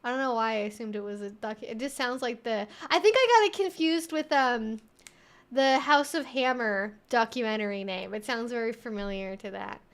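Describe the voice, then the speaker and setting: A woman's voice: on the high side, normal speed, clean tone. A woman hosting a livestream, chatting casually and informally, rambling a little as she thinks aloud. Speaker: livestream host and educator.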